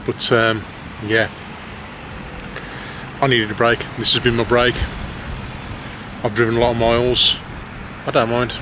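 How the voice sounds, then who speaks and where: Chatting to camera in a rambling amateur vlog, a Black Country lorry driver from England's West Midlands sounds casual and slightly self-conscious. He speaks in a mid-range, flat voice, a little slowly and with frequent pauses, while road and vehicle noise comes through clearly.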